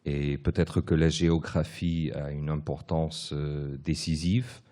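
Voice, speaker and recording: Slow, halting deep-voiced man. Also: little pitch movement, mellow. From born in France, raised partly in Clermont-Ferrand. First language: Portuguese. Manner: hesitant, many restarts and repeated words. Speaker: guest author. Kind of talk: halting answers in a public talk.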